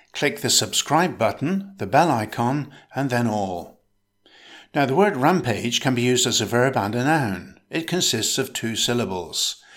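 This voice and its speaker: Male pronunciation tutor, mid-pitched, deliberate and measured, scripted lesson read. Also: a bit bright. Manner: measured, deliberate delivery, slowing to model words. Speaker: English pronunciation teacher.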